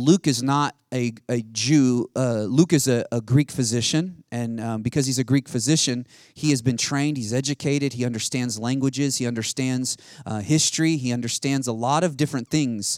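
A man's medium-pitched voice at a moderate pace, with ordinary pitch variation and a dry, close sound free of echo. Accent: American. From Kansas. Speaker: pastor. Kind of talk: sermon. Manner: animated.

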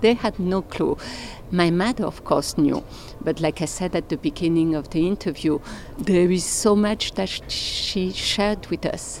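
A woman speaks with a French accent at a moderate pace. Her pitch is medium, with ordinary variation. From Europe. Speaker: film director. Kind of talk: radio interview.

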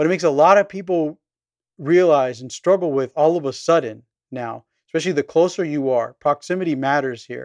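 Over a quiet background, a man with a fairly high pitch speaks at a fairly quick pace with ordinary pitch variation and big swings in loudness, the sound dry and close with no echo. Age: 30s. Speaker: psychology professor. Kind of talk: solo podcast monologue. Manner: halting, many fillers.

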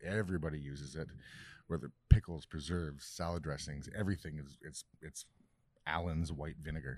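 A man with a Canadian accent, very deep and low in pitch, vocal fry, fairly even intonation, a fairly quick pace and big swings in loudness. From British Columbia, Canada (Vancouver Island). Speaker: chef. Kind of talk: casual chat.

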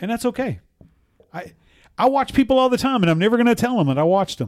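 Speaking at a very fast pace yet with long, frequent pauses, a man with an American accent uses a high pitch. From Texas, Dallas area. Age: 50s. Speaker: podcast host. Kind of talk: interview. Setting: studio.

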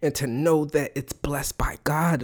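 A man's animated tone comes through noticeable background noise. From Philadelphia, US East Coast. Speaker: podcast guest. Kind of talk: casual conversation.

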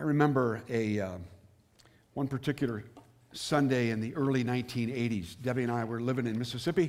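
The speech comes at a fairly quick pace with fairly even intonation, and audible room echo surrounds it. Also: man. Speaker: pastor. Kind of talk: sermon.

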